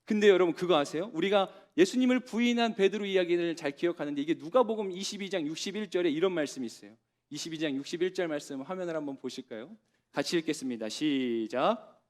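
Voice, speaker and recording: A man preaching a sermon as pastor to young adults, telling the story with dramatic pauses and dropping to a soft voice for tender words. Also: on the high side.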